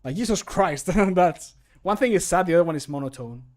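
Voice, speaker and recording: A man's voice: sits high, animated, fairly quick, darkish tone. Joking man chatting on a livestream. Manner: joking, self-critical. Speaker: streamer and game modder. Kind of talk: casual livestream chat. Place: small indoor home room.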